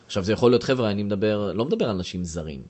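A man's voice: lowish voice, lively intonation, a little mellow. A man giving a lecture to a class and asking the audience questions. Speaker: teacher.

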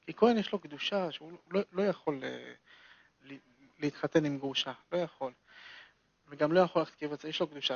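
A man's voice: a little high, no echo, dull audio. A man teaching a religious lesson to a small group, telling a story with emphatic repetition.

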